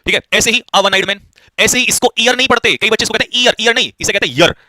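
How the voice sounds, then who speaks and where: A man with an Indian accent runs an exam-prep grammar class at a brisk clip, firing questions and answering them himself. His voice sits high and sounds sharply bright. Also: no room sound. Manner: quick, drilling with repeated questions to students. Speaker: English grammar teacher. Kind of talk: online exam-prep lesson.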